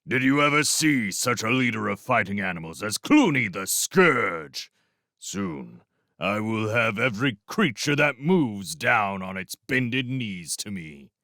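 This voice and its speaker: A cruel, boastful rat warlord, as a man reads him aloud, sneering one moment and bellowing the next in a wild, swooping voice. The tone is gravelly and sharp. It is a storybook villain sound, recorded close and dry. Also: fairly low pitch, big pitch swings, unhurried, dry recording, full character voice. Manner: sneering, boastful tirades that swing to roars. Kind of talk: storybook reading.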